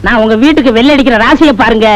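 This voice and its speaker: An actor playing a cheeky male prisoner who whitewashes houses, talking in a flattering, wheedling way in a film comedy. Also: very high voice, rapid-fire, low-quality recording.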